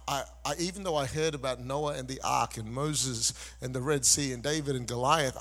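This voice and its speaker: A man's voice: mid-range voice, creaky, fairly bright tone. Chatty self-mocking male guest preacher. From Malaysia. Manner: chatty and self-deprecating, with frequent "uh" fillers. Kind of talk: sermon with personal story.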